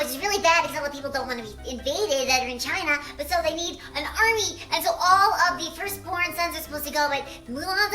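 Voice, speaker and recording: Young female vlogger on helium: squeaky, bright, giggly, rambling playful retelling, echoey room. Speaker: video creator. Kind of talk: playful challenge vlog retelling film plots.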